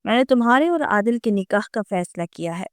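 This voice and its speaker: A woman's voice: a little high, lively intonation, dry recording, clean studio sound, lightly acted. A woman reading the lines of a commanding elderly grandfather in an audiobook story, giving orders and threats. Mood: stern. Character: stern elderly male grandfather, village patriarch.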